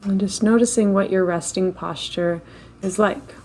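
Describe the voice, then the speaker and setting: A woman guides a slow meditation gently and without hurry, leaving long pauses between phrases. Her voice is medium-pitched and steady in tone.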